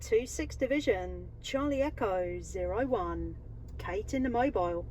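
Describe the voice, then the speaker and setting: A woman's voice: medium pitch, animated, unhurried. A woman radio operator making call-outs and exchanges from a mobile CB station. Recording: noisy CB radio transmission.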